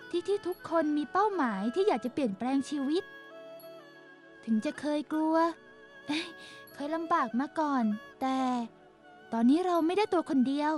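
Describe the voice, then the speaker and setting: A woman voicing a kind, hopeful young servant girl, gentle and earnest, in a motion-comic drama. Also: very high voice.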